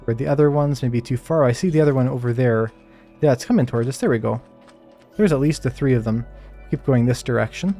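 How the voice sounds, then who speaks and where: A man giving calm, soft-spoken live gameplay commentary while answering chat questions, with plenty of hedges and fillers. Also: medium pitch, fast talker, faint music behind. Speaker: Minecraft streamer.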